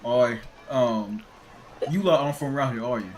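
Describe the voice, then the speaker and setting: A man voicing a gruff, world-weary older male merchant who keeps slipping between put-on accents in a tabletop game. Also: mid-range voice, moderate pace, a little hiss or hum, close to an everyday voice.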